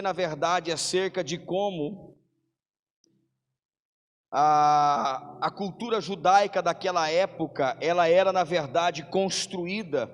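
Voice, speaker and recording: High-voiced Brazilian pastor preaching in a reverberant church. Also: male voice. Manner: preaches to the congregation, calling them brother; stacks long rapid lists for emphasis. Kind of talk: sermon. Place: church hall. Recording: long hall reverb.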